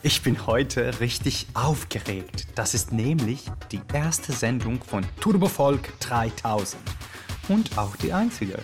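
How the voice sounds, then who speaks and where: An actor playing an excitable, euphoric Yugoslav male radio host with a theatrical, rambling way of moderating a live show. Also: mid-range voice, takes it slowly. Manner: theatrical, rambling, exuberant, switching from hushed to shouting. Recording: music behind the voice. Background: music.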